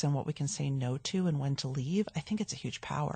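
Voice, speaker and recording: A somewhat breathy woman in an American accent, dark and mellow in tone, at a moderate pace against a quiet background. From New Jersey, US. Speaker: entrepreneur and author. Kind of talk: interview.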